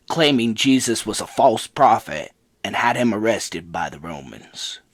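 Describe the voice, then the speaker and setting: A man performs a solemn male archangel recounting ancient myth. The voice is fairly low and very unhurried, with grave, measured storytelling. It is a scripted dramatic prologue, recorded dry and close. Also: no room sound, full character voice. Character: Archangel Michael, solemn male angel telling creation's history.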